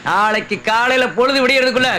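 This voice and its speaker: A man's voice: very high-pitched, steady tone, fast talker, bright, forceful tone. An actor playing a menacing male henchman who barks threats and schemes. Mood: threatening. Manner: threatening, snarling.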